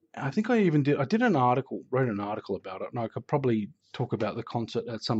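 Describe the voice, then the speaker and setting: Speaking with an Australian accent, a man talks at medium pitch. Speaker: podcast host. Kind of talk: relaxation podcast ramble. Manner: slow, calm. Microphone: better audio quality.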